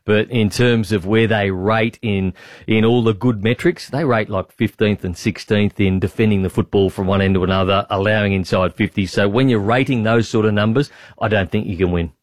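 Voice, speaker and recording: A man's voice: lowish voice, steady tone, moderate pace, no echo, clean studio sound. An Australian man co-hosting a radio chat, teasing dryly and giving confident football tips. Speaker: radio co-host. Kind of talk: casual banter and footy tips.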